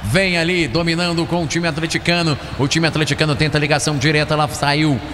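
A man with a Brazilian accent narrating a live football match on radio, fast and excited, shouting at the big plays. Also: on the high side, big-room sound, a little hiss or hum. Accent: Brazilian Portuguese.

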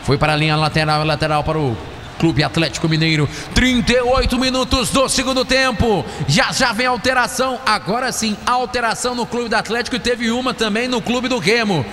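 Bright, high-voiced man calling a football match. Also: big-room sound, a little hiss or hum. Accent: Brazilian Portuguese. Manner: fast, excited, shouting at big plays. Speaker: radio football play-by-play narrator. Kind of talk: live radio football commentary.

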